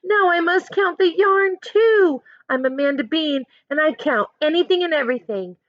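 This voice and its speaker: An excitable storybook girl, played by a woman reader, high-pitched and swooping, dramatic and exclaiming as she obsesses over counting. The sound is dry and a bit dull. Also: moderate pace, no echo. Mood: overwhelmed.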